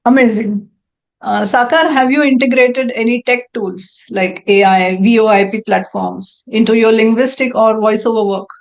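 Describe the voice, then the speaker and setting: A woman hosts an interview in a fairly high voice. She asks her questions plainly and keeps her guest going with brief, encouraging affirmations. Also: fairly even intonation, normal speed, vocal fry, low-quality recording.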